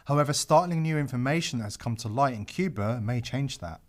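A male podcast host narrating from a script. His pitch rises and falls in wide swings, and he drops sarcastic asides into an otherwise dramatic read. The voice sits in a middle register. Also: lively intonation, fairly quick.

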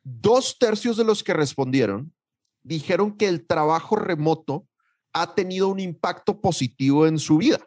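Animated Mexican man, slangy podcast host. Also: fairly high pitch, normal speed. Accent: Mexican Spanish. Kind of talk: casual podcast chat.

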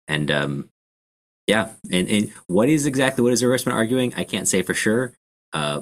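A man co-hosting a book discussion podcast, friendly and engaged, speaking to the listeners. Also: deep voice. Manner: friendly, engaged, laughs easily. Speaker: podcast co-host.

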